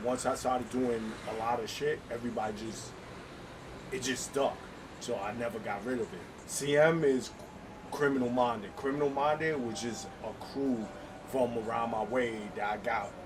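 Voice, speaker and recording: A man with a New York accent, medium pitch and ordinary pitch variation, at a moderate pace with long, frequent pauses, amid noticeable background noise and audible room echo. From New York City, Upper West Side. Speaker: graffiti artist. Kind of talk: interview storytelling. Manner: casual, streetwise.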